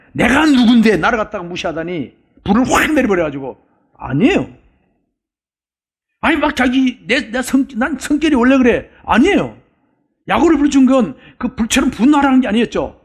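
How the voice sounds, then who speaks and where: Male pastor, sermon, lively rising and falling pitch, emphatic, repeats phrases. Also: husky. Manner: emphatic, repeats phrases, asks the congregation questions.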